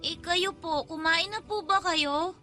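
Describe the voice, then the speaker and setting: Bright, very high-pitched little Filipino schoolgirl. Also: measured pace, soft background music, full character voice. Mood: hungry, plaintive. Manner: childlike, polite, questioning. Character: innocent hungry young schoolgirl daughter. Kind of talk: Tagalog radio drama acting.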